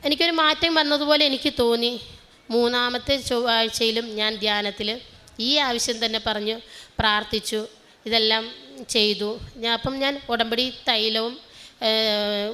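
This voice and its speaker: Middle-aged woman telling her faith story, bright tense voice, a bit high, halting, earnest. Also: flat delivery. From Kerala. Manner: emotional, grateful. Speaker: testimony giver. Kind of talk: personal religious testimony.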